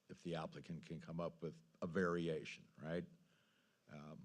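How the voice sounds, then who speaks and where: An American man speaking informally as a council member running a public meeting. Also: low-pitched.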